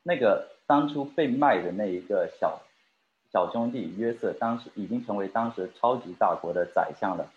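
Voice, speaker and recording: A man's voice: on the low side, expressive, moderate pace, a little hiss or hum. A man preaching a sermon and talking straight to his congregation, asking them questions and drawing them in. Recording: roomy, dull lo-fi recording.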